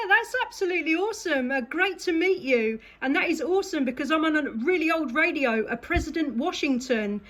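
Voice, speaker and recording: High-voiced woman on CB radio. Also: a bit bright. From England. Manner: enthusiastic. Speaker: CB radio operator. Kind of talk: casual CB radio chat.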